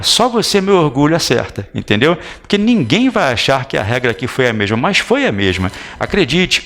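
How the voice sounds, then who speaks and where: A man's voice: medium pitch, fairly bright tone. A man with a Brazilian accent teaching Portuguese grammar in a recorded exam-prep lesson, chatty and coaxing, often checking that students follow. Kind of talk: recorded video lesson at a whiteboard.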